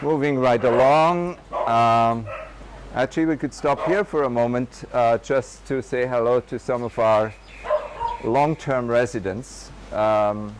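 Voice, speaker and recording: A man's voice: mid-range voice, unhurried. A man guiding visitors around an animal rescue center, explaining hesitantly with many fillers. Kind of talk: walking tour explanation. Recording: noisy outdoor recording with barking dogs.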